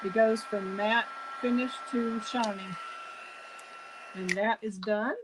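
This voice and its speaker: A woman's voice: on the high side, steady tone, slow pace, noisy background. A woman teaching card making in a casual tutorial, chatty and self-correcting, with a slight cough now and then. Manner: chatty, self-correcting, laughs at own jokes.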